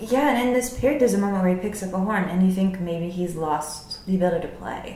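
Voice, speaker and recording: Against noticeable background noise, a woman at medium pitch talks at a fairly quick pace with ordinary pitch variation. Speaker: podcast host and film critic. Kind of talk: scripted intro and interviews.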